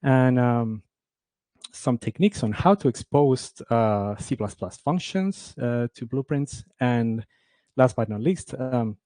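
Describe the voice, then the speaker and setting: A man's voice: medium pitch, slow, mellow, dry recording. A man from Ecuador giving a conference talk on game audio, speaking with many fillers and restarts.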